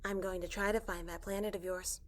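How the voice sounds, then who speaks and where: A woman's voice: on the low side, flat delivery, a little fast, close to an everyday voice. A woman playing a hard-bitten, menacing spaceship crime boss in a science fiction audio drama, stern, curt and controlled. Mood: cold menace.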